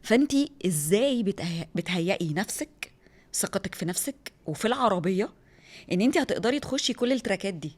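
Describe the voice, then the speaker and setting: Quick, excitable Egyptian woman in her thirties. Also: medium pitch. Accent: Egyptian Arabic. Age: 30s. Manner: lively, excitable storyteller. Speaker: rally driver guest. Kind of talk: casual interview talk.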